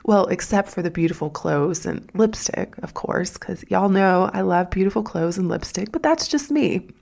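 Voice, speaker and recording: A woman's voice: fairly low pitch, normal speed, vocal fry, a little mellow. A woman with a Southern US accent hosting a solo podcast, talking in a chatty, folksy way with asides to her listeners. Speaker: podcast host.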